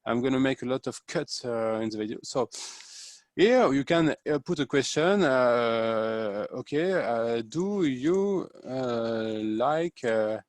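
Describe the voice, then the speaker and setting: A hesitant man hosts a casual screen-share tutorial over a video call, his mid-range voice lively in intonation but slow in pace. The recording is dry, and his speech is full of fillers and restarts, with French mixed into his English.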